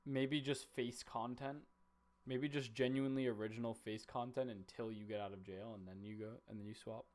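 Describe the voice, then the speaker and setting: A man's voice: medium pitch, steady tone, normal speed, a little mellow. A young man in his twenties hosts a casual call. He gives frank, laid-back advice in short, plain replies, with a mid-range voice. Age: 20s. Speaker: host.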